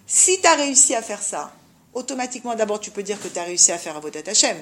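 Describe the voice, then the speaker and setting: A woman with a medium-pitched, sing-song, fairly bright voice speaks quickly as a religious teacher. She gives an informal Jewish religious lesson to women in French, mixing in Hebrew terms. Her manner is didactic, and she often asks check-in questions to make sure listeners follow.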